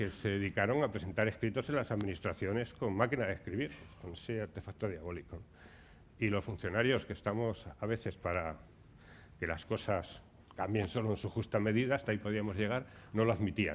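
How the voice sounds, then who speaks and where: A fairly quick-talking man with ordinary pitch variation. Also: fairly low pitch for a man. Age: 60s. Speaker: public administration official and speaker. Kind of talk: lecture. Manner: conversational, with many hesitations and fillers.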